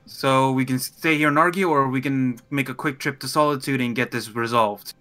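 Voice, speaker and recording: A man playing a tabletop roleplay game, discussing plans in a measured, somewhat formal way. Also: medium pitch, steady tone, sharp tone.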